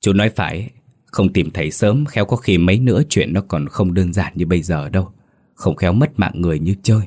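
Anxious middle-aged village man, read by a man, deep voice, urgent, pleading. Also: fairly quick, a little mellow. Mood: worried.

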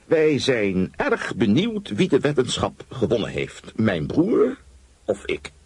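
A male reader voicing an older wealthy gentleman who is boisterous and exclaims loudly when pleased. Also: mid-range voice, huge pitch swings, slow, slightly rough, no echo, voice pushed up, exaggerated voice. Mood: genial. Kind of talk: audiobook reading.

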